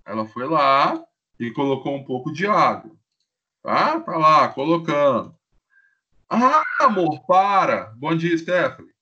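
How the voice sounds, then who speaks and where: A man's voice: fairly high pitch, animated, measured pace, pushed and bright. A man with a Brazilian Portuguese accent teaching a live online chemistry class, playful and joking as he acts out little scenes with students. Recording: dull lo-fi stream audio.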